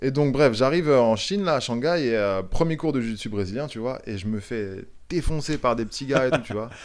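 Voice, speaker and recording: A man speaks at a fairly quick pace with lively intonation in a plain, everyday voice. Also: medium pitch for a man. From France, Paris region (Nanterre). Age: 30s. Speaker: jiu-jitsu coach. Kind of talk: podcast interview. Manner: casual, many fillers.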